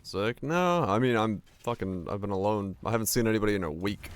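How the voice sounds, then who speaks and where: A man with a raspy voice giving loose, profane live commentary as a game streamer and answering chat offhand. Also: fairly low pitch, fairly quick. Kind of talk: casual live gameplay commentary.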